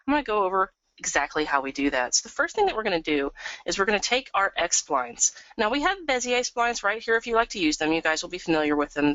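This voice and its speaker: A woman presenting a live software tutorial webinar, upbeat and chatty, a bit sniffly from a cold. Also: mid-range voice, dry recording. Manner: upbeat, chatty, lots of "we're gonna". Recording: dull, dry lo-fi webinar audio.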